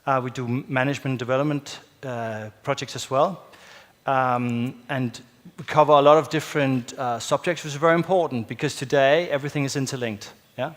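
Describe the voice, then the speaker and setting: A man's voice: mid-range voice, steady tone, fairly quick. A middle-aged man with a Danish accent, speaking English as a second language on a conference stage, hesitant with many fillers and a habitual "yeah?". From Denmark. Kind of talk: conference talk. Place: large hotel conference hall stage. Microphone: headset or lapel mic, far camera. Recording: long hall reverb.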